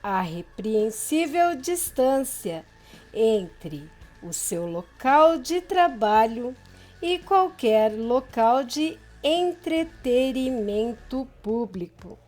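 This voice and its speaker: A woman narrating a gothic novel in an expressive, dramatic storytelling manner. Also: a little high, extremely slow, soft background music. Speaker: audiobook reader.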